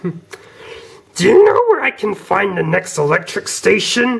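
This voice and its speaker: The pace runs fairly slow. A put-on character voice is used. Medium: read story.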